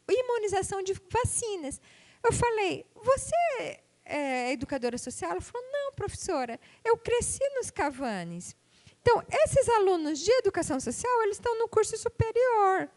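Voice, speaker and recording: A middle-aged woman from Brazil, a university professor giving a conversational conference lecture with rhetorical and tag questions. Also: very high-pitched.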